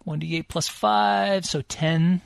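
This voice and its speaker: A man's voice: on the high side, steady tone, slow, vocal fry, no echo. A man playing a tabletop game, talking wryly through his moves as he goes. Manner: wry, talks through his moves aloud. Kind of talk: casual tabletop game chat.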